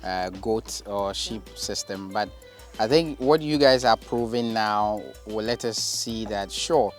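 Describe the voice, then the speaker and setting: A man from Ghana, a farmer guest, speaking outdoors in a farm paddock in a measured way with small hesitations. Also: fairly low pitch, faint music behind. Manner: thoughtful, measured, some hesitations. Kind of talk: casual outdoor interview.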